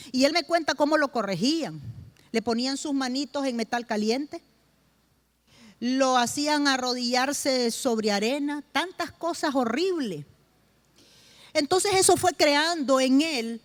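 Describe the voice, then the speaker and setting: A middle-aged woman pastor preaching a sermon with personal testimony, emphatic and slow, repeating key phrases for stress. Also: sits high.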